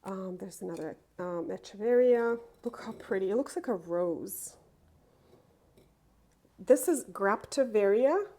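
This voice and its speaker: A woman chatting casually through a tour of her indoor plant room, unhurried and enthusiastic, with small laughs and fillers. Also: mid-range voice, expressive, dark tone. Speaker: plant vlogger.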